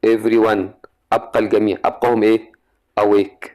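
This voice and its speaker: A man's voice: fairly low pitch, flat delivery, brisk, a little mellow. Young Egyptian man, English teacher, coaxing chatty lesson delivery. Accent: Egyptian Arabic. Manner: chatty, coaxing, asks the student questions. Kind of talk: exam grammar lesson.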